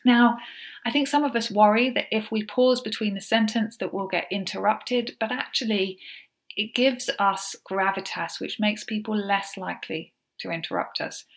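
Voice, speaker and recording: Woman giving calm podcast advice. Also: mid-range voice, moderate pace, gravelly. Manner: practical, explains step by step with gentle fillers. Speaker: podcast host. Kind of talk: solo coaching podcast.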